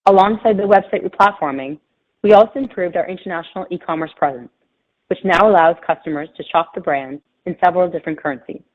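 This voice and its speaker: Lowish-voiced woman on a phone line. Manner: formal, measured corporate reading. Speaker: company chief executive. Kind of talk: scripted earnings presentation. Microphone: telephone. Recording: narrow phone-line sound.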